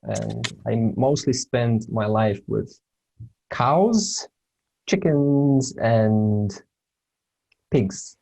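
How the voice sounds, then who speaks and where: Brief: male teacher from serbia, native serbo-croatian speaker, dark mellow tone, halting talk full of fillers. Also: medium pitch, creaky, slightly rough, poor audio. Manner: hesitant, many fillers and restarts. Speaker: spiritual teacher. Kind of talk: informal lesson talk.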